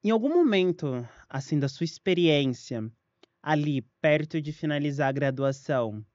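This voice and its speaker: A man's voice: fairly high pitch, lively intonation, moderate pace, darkish tone, dry recording. A man interviewing a guest, speaking in an informal, admiring way as he sums up the guest's story. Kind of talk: conversational interview questions. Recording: dull lo-fi dry audio.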